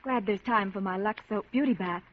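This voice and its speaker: An actress playing a cheerful, bubbly young housewife in a 1940s radio ad. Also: female voice, medium pitch, a little fast, natural voice. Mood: dreamy. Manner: bubbly, old-fashioned exclamations. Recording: dull lo-fi old radio broadcast.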